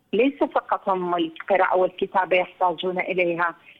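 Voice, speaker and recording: Noticeable background noise sits under a woman's voice. She speaks at a moderate pace with ordinary pitch variation. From southern Iraq, Basra. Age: 50s. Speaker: human rights activist. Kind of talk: interview.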